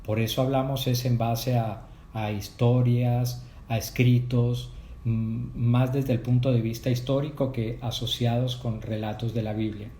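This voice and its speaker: Measured man giving a religious talk. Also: mid-range voice, flat delivery, dark tone, reverberant, slight background noise. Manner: measured, explanatory, addresses listeners directly. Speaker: prayer group speaker. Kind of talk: catechetical talk.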